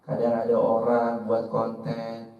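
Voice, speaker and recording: A man preaching a Muslim sermon, speaking emphatically and pausing on key phrases. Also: mid-range voice, monotone. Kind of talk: sermon to an audience, quoting and translating Arabic scripture. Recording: roomy echo, distant mic, slightly dull.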